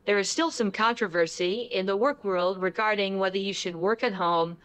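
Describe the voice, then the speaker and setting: Female, adult, smooth and clear, mid pitch, AI voice changer, read narration. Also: normal speed, a bit bright.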